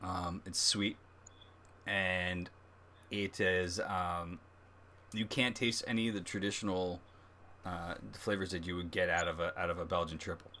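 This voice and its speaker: A man with a fairly low voice hosts a casual live review. He talks in a halting, conversational way, working out his thoughts as he speaks. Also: steady tone, sharp tone, slight background noise. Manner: halting, thinking aloud. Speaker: host of a beer review livestream. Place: livestream, speaking beside a laptop.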